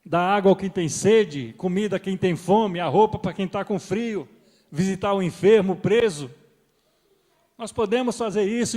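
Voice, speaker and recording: A middle-aged man preaching a sermon as pastor, swelling loud on key points and then dropping soft. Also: sits high. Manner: rises and swells with emphasis, then drops soft. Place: church hall. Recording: long reverb of a church hall.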